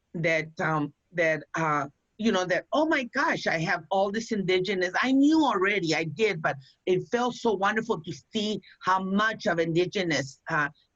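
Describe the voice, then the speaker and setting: With a normal speaking voice, the speaker moves at a moderate pace with lively intonation. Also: woman. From Mexican-American, US. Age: 60s. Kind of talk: casual interview conversation.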